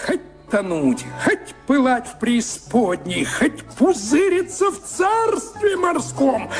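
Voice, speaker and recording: High-voiced, animated male folk-tale storyteller. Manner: playful, declamatory. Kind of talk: theatrical rhymed folk-tale narration for radio play.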